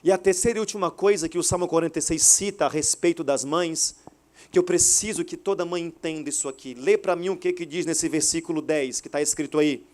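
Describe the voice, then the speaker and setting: A man in his thirties preaching a sermon at a church service, animated, acting out quoted dialogue. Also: on the high side, brisk. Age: 30s. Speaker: pastor. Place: hotel auditorium church service.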